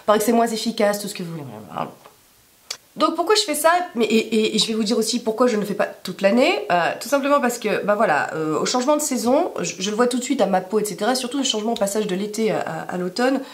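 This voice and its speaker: Woman vlogger w/ a hoarse smoker's rasp, sounds sick, kinda high voice, chatty and rambly. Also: animated, quick pace. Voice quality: raspy smoker's rasp from illness. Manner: rambling, self-deprecating, full of asides. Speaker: YouTube vlogger. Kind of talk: casual chatty advice to camera.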